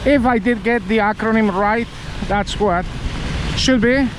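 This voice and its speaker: A man's voice: high voice, measured pace, noisy background. A man with a Guatemalan accent, narrating a casual driving vlog from inside a car, rambling and joking to the viewer. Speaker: vlogger. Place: inside a car driving through the city in rain.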